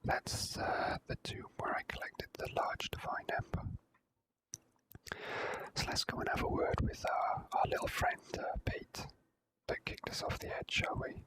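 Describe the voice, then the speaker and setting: A person whispering relaxed, unhurried ASMR commentary while playing a video game. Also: poor audio.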